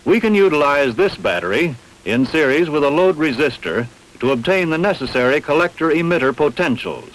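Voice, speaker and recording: Man narrating with lively intonation. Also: a little high, poor audio. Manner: measured, didactic, carefully enunciated. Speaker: training film narrator. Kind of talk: scripted instructional narration.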